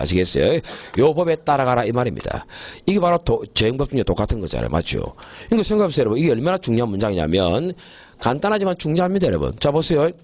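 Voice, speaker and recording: A male criminal law lecturer in an exam-prep class talks quickly, his pitch leaping up and down as he stresses points. He keeps asking his students whether they follow and slows down to dictate key phrases. The sound is close and dry, with no room echo. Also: a little mellow.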